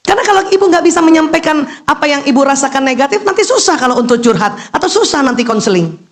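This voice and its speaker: A middle-aged woman giving an animated religious lecture to women, posing questions and answering them herself, with a teasing manner. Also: high-pitched, quick pace. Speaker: Islamic lecturer and doctor.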